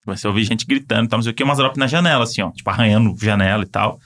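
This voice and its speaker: A man with a Brazilian accent telling a story in casual chat, animated and full of fillers. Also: lowish voice, racing. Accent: Brazilian Portuguese.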